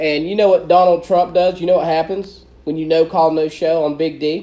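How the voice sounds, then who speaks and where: A man with a Southern US accent and a dark, mellow tone speaks at a high pitch and a moderate pace in a monotone, flat intonation. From US South. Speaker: podcast host. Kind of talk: casual chat.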